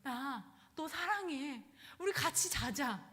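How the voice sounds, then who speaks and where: A woman's voice: sits high, animated, slow pace, fairly bright tone, heavily acted. Figure: woman voicing a young prince, lovesick and later cold. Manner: pleading then curt orders. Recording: long hall reverb.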